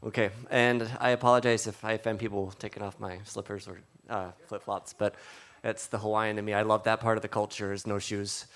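Smooth, lowish-voiced man giving testimony. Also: little pitch movement, fairly quick, hardly any pauses, a bit bright. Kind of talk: informal personal testimony.

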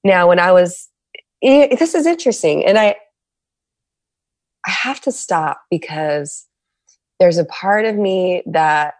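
Woman, low voice, dry close sound, candid, reflective, searching, interview guest. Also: animated, no echo. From San Diego, United States. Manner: candid and searching, with frequent pauses and restarts. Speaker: podcast guest.

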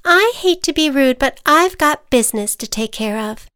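Storybook figure: a high-strung, defensive butterfly girl, voiced by a woman, pitched up, dry close sound. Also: lively intonation, normal speed, bright, forceful tone, dry recording. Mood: fretful. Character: timid, prim female butterfly afraid to fly.

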